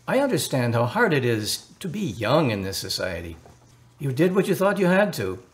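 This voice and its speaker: A man's voice: mid-range voice, sing-song, normal speed, close to an everyday voice. A man acting the part of an earnest, solicitous Catholic priest in a radio drama, speaking formally and a little hesitantly in a consoling, pastoral way. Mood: gently probing.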